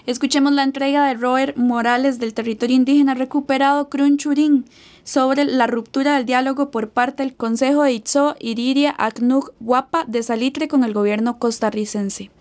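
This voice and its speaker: High-voiced female presenter reading scripted radio links clearly and formally. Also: fairly even intonation, moderate pace, darkish tone.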